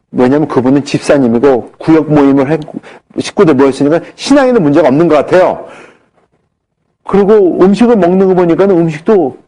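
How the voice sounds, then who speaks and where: A man's voice: fairly high pitch, mellow. A man giving a talk on a cancer diet program, telling stories animatedly and acting out the people he quotes. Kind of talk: lecture to a group.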